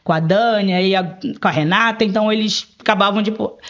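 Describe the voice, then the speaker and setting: A woman's voice: medium pitch, fairly quick, fairly bright tone. A woman in a casual podcast chat who tells stories animatedly and acts out the dialogue she quotes. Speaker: bilingual program advisor. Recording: dull lo-fi sound.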